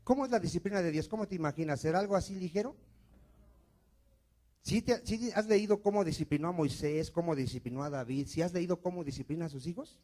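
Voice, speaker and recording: A man's voice: a little high, fast, dark tone. A male pastor preaching a sermon, asking the congregation questions and answering them himself.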